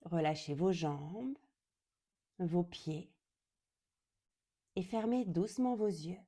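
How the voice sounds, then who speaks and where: A woman guiding a yoga nidra meditation in a calm, gentle, soothing way, speaking deliberately and leaving long pauses. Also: lowish voice. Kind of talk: slow guided meditation.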